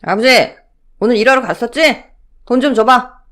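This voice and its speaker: A woman voicing a drunken, violent middle-aged father who shouts and bullies in a Korean audio story. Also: mid-range voice, moderate pace, close to an everyday voice. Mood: angry. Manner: loud, bullying, shouting.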